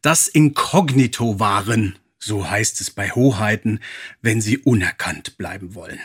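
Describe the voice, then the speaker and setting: A man's voice: fairly low pitch, a little slow, fairly bright tone, slightly rough. A man hosting a podcast, presenting and reading prepared text in a polished way. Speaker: podcast host.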